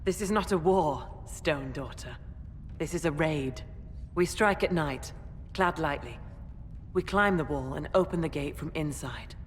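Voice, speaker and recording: A woman playing a blunt, proud tribal raid leader in a video game, speaking in formal declarations. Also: unhurried. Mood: blunt, resolute. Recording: reverberant, noisy rumble.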